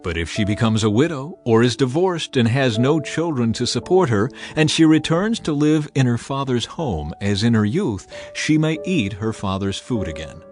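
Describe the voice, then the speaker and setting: Expressive man reading scripture solemnly over music. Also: medium pitch, moderate pace, few pauses. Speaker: Bible narrator.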